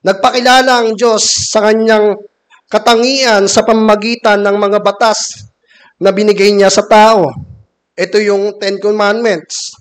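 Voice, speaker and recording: Higher-voiced Filipino man preaching. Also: little pitch movement, clean tone. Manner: measured, reads scripture from a laptop. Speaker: deacon preaching. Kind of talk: sermon mixing Filipino and English. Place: church hall with curtains, behind a wooden pulpit.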